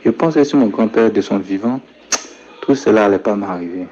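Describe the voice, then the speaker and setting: Soft-spoken young man, dull lo-fi sound. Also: lowish voice, brisk, slight background noise. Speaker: storyteller recounting his life. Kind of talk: personal testimony. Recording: dull lo-fi recording.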